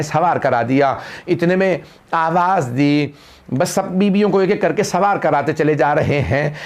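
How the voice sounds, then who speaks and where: A male cleric delivering a mourning sermon, narrating a tragedy and quoting its figures, rising to an impassioned wail. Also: on the high side. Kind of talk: Muharram majlis sermon, rising to wailing recitation. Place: mourning hall at an Islamic center.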